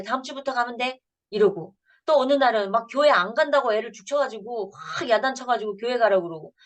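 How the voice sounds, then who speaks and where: Earnest woman pastor lecturing parents. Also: a little high. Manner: earnest storytelling, acting out family dialogue. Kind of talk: church lecture.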